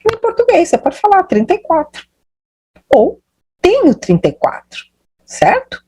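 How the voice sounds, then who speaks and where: Woman from Brazil, English teacher, slow deliberate pace, animated up-and-down pitch, repeats phrases. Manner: lively rising and falling intonation.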